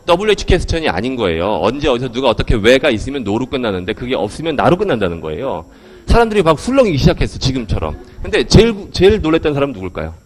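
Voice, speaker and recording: A man giving a lecture to a live audience, speaking into a handheld microphone in a hall and putting questions to the crowd. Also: medium pitch. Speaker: English education lecturer.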